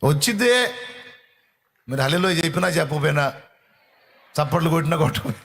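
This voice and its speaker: A man's voice: fairly high pitch, moderate pace, noisy background. A middle-aged man preaching a sermon in a fervent, repetitive cadence. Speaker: pastor.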